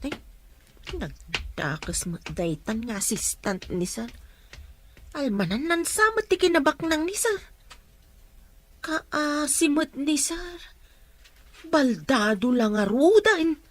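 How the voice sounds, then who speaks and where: A woman's voice: sits high, animated, slow pace, long pauses, dry recording. A Filipino woman playing a gossipy, resentful house helper in a radio drama, grumbling as she talks. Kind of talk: Ilocano radio drama acting.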